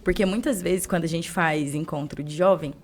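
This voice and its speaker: Lively Brazilian woman podcast host. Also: low-pitched, moderate pace. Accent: Brazilian Portuguese. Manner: animated storyteller, acts out dialogue. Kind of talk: casual interview chat.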